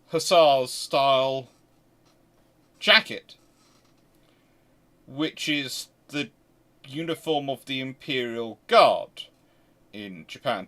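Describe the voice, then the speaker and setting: A man's voice: mid-range voice, pushed and bright. A man hosting an unscripted history discussion, talking emphatically and rambling, often restarting his sentences mid-thought. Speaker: host and naval historian.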